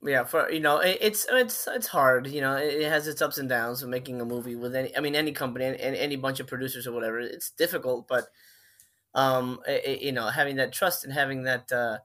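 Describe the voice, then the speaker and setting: A man's voice: medium pitch, fairly quick, bright, forceful tone. A man in his forties from Miami, a filmmaker guest telling stories in a casual, rambling interview, often correcting himself. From Miami, Florida. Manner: rambling, self-correcting storyteller.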